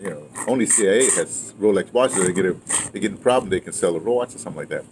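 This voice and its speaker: Deep-voiced with lively intonation and a quick pace, a man in his seventies tells stories from his audio drama days. He's an interviewee chatting casually and repeating phrases. Outdoors in a building's patio or yard, the recording carries clearly noisy ambience.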